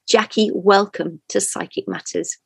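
A woman's voice: medium pitch, fairly even intonation, a little slow, vocal fry, husky, no echo. A woman hosting a podcast on spirituality, effusive and encouraging as she interviews her guest. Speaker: podcast host.

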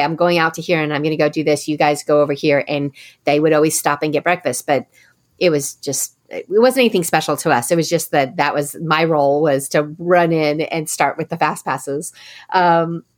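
A woman co-hosting a podcast, chatting casually and rambling through questions for listeners with many restarts. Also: deep voice. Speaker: podcast co-host.

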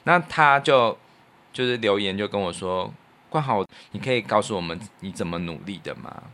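Casting: male podcast co-host, low voice, Taiwanese Mandarin accent, earnest and reflective casual storyteller. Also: lively intonation, moderate pace, pushed and bright. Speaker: podcast co-host and radio professional.

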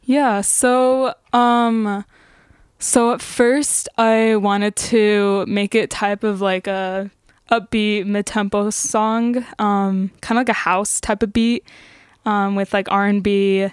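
A woman's voice: mid-range voice, level tone, slow pace, smooth, no room sound, studio quality. A young adult woman chatting casually as an interview guest, hesitant and leaning on "like" as a filler. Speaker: singer-songwriter guest.

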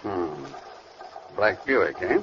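A man's voice: low voice, big pitch swings, very slow, full character voice. A man playing a businesslike, suspicious 1930s beat cop with a clipped, official manner, in vintage radio crime drama style. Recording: muffled, noisy old radio recording.

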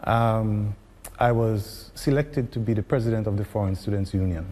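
A man from Grenada, an ambassador answering interview questions in a halting way with many pauses and ums. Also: fairly low pitch, mellow, long reverb tail.

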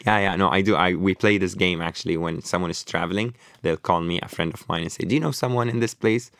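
A man from Lebanon, an author being interviewed, talking in a relaxed, rambling way with many fillers and restarts. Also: deep voice, fast, vocal fry, dry recording, clean studio sound. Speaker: author guest. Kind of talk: casual interview conversation.

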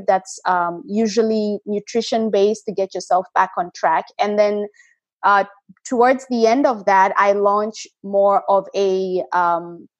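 A woman's voice: medium pitch, no echo. Woman from kenya chatting as a podcast guest, lots of ums, dry close sound. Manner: halting, with frequent fillers. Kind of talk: casual interview chat.

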